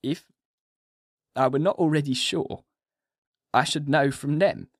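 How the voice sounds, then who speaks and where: A man's voice: a little high, takes it slowly, dry recording, studio quality, voice pushed up. A man voicing a dying male asylum patient who talks in urgent, strained pleading. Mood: haunted.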